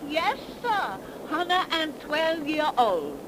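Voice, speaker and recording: Cackling old witch storyteller, folksy drawl, slow, highish voice, noisy 1930s radio recording. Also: sing-song, heavily acted. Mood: eerie folksy. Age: older. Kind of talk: 1930s radio drama acting.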